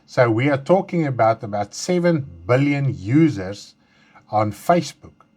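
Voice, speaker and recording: A pastor leads a Bible study, his first language being Afrikaans. His medium-pitched voice is expressive, husky, and darkish, and his earnest teaching comes out haltingly, full of fillers and restarts.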